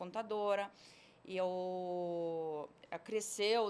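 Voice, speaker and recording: A woman with a non-native accent. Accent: foreign, non-native Portuguese. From Kazakhstan (ethnic Russian). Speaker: entrepreneur, nail salon owner. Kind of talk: interview. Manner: halting, with many fillers and self-corrections.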